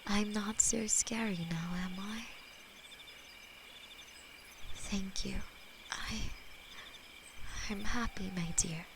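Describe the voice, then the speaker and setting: A woman's voice: mid-range voice, creaky. A woman as a whispering, possessive demon lover. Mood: tender. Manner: soft intimate whispering, halting. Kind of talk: ASMR audio roleplay. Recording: steady cricket and night noise behind.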